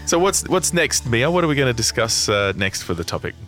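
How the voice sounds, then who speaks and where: A man hosting a podcast, speaking in a thoughtful, measured way. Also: medium pitch, big pitch swings, fairly bright tone, soft background music. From Australia. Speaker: podcast host. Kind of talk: casual podcast conversation.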